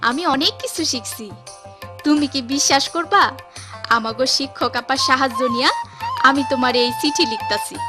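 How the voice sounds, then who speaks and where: Hopeful young working girl, soft earnest voice, music under; woman actor. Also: high voice, normal speed. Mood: letter reading. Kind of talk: cartoon voice acting.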